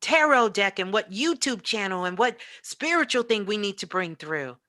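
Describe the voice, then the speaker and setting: Appearing as a guest, a spiritual teacher and show host speaks in a bright, forceful, medium-pitched voice with lively intonation at a moderate pace. The dry recording has no room sound, and she emphatically drives her points home, repeating phrases to motivate the listener.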